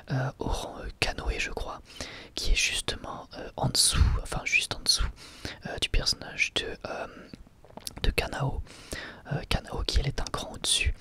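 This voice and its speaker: Whispering man, soft and hesitant. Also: medium pitch. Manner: hesitant, halting phrasing with frequent self-corrections. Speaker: ASMR video host reviewing anime. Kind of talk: whispered ASMR review, unscripted.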